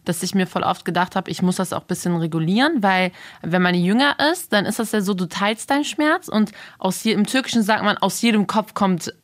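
A young woman co-hosting a podcast in casual chat, reflective and musing, stretching some phrases slowly as she thinks aloud. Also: mid-range voice, lively intonation, dry recording. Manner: reflective, drawn-out, self-described overthinker. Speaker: podcast co-host.

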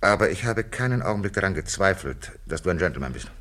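An actor playing a stern police captain who speaks in a grave, measured, insistent way, in an old film drama. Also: male voice, deep voice, sing-song, fairly bright tone. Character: stern male police captain confronting a friend.

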